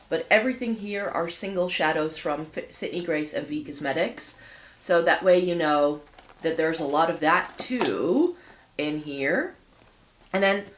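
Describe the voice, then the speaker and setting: A woman vlogger with a slightly raspy voice from a cold, chatting casually from her home office as she shows makeup for a giveaway, rambling a little and thinking aloud. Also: fairly low pitch, fairly bright tone, a little hiss or hum. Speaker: beauty vlogger hosting a giveaway. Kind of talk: casual chatty product showcase.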